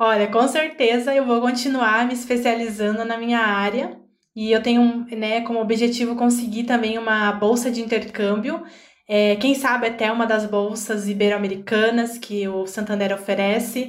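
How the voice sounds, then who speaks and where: At a moderate pace, a woman talks with a fairly high pitch and monotone, flat intonation, and audible room echo fills the room. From Brazil, Paraná coast (Paranaguá). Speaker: university student. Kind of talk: interview.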